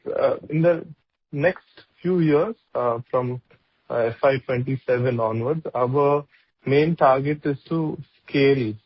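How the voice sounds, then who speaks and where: A company executive answering an analyst's question on an earnings call, thinking aloud with many fillers. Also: male voice, medium pitch, slightly rough, dry recording. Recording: muffled conference call line.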